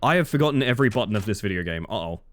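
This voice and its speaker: A man's voice: fairly low pitch, lively intonation, very fast. A man with an Australian accent, chatting casually with his live-stream audience while gaming, reading chat aloud and swearing now and then.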